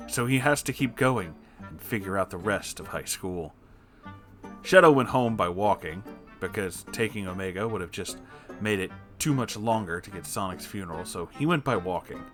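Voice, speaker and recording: A man narrates a comic fan story in a bright, forceful voice. His delivery is theatrical and emphatic, swinging widely in pitch, and music plays softly behind. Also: animated, moderate pace. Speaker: host reading fan fiction aloud. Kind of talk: comedic dramatic story narration.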